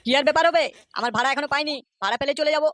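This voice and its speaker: A woman's voice: high-pitched, racing, fairly bright tone, dry recording. A woman voicing a brash, quarrelsome young male auto-rickshaw driver in a cartoon who swears a lot. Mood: grumbling. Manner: cursing, quarrelsome. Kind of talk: cartoon voice acting.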